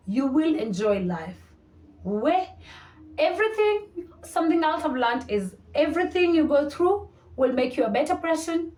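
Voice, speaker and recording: A woman's voice: mid-range voice, darkish tone, recorded from a distance. A woman in her thirties chatting to camera as a vlogger, repeating her points and slipping into Swahili. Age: 30s. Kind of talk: casual talk to camera. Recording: roomy sound, voice a little off mic.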